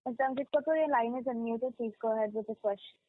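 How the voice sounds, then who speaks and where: A woman's voice: fairly high pitch, quick pace. A woman working as conference call operator, moderating in formal, scripted phrases. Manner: formal, procedural. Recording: dry, narrow phone line.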